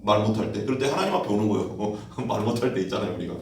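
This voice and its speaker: Male pastor, low voice, chatty sermon style with rhetorical questions, recorded from a distance in a very echoey church room. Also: very animated, very fast, darkish tone, slight background noise. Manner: conversational preaching, rhetorical questions, acts out quoted voices. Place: church hall.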